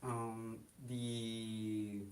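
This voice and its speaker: Young adult man, raised in Mexico, interview guest, low voice, halting delivery, recorded a bit off-mic with light hiss. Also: monotone, darkish tone, far from the mic. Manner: halting, many fillers and restarts. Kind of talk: casual interview.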